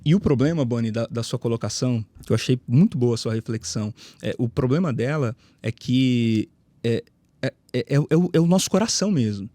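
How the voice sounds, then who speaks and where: A man's voice: medium pitch, animated, brisk, warm tone, dry recording. A man with a Brazilian Portuguese accent, a pastor talking on a podcast, telling stories and acting out the voices in them. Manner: storytelling, acts out quoted voices, rises in emphasis. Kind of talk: podcast conversation, preaching.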